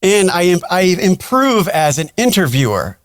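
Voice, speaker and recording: A man's voice: high voice, very animated, normal speed, no room sound, studio quality. A man interviewing a guest casually as a podcast host.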